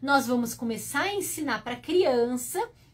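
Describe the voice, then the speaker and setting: Her voice high and her pitch swinging very widely, a woman speaks at a fairly slow pace. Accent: São Paulo. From Brazil, carioca parents, not from São Paulo. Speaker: behavior analysis educator. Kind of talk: live stream lecture.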